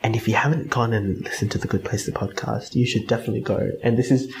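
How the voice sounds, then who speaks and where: A man's voice: on the low side, fairly even intonation, fast talker, darkish tone, rough recording. A man co-hosting a podcast in casual chat, hesitant and full of fillers as he steers the segment. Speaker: podcast co-host.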